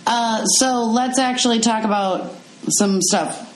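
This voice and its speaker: A woman's voice: fairly high pitch, takes it slowly. Young female co-host, upbeat and chatty, roomy recording. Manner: chatty, upbeat storyteller with many fillers. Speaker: podcast co-host. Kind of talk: casual chat. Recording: echoey room with faint music.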